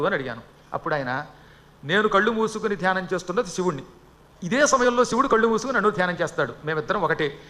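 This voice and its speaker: A man's voice: high voice, bright, forceful tone. A man voicing the goddess Lakshmi. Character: goddess Lakshmi, gentle wife explaining calmly.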